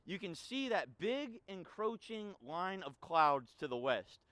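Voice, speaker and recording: A young man, a student forecaster, giving a casual weather report in a relaxed delivery full of fillers. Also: high-pitched, unhurried, no echo. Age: young adult.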